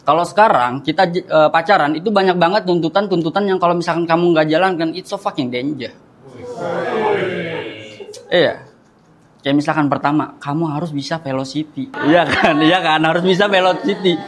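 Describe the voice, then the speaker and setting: Young guy doing stand-up, talks right at the crowd, voice a bit high. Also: fairly quick. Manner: chatty, addresses the crowd often. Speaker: stand-up comedian. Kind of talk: stand-up comedy.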